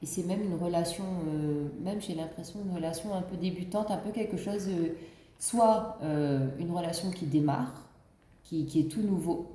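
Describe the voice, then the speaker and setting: A woman's voice: deep voice, mellow, echoey room. A woman with the flu giving a casual spiritual card reading, rambling with many fillers and restarts. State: has the flu. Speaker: card reader.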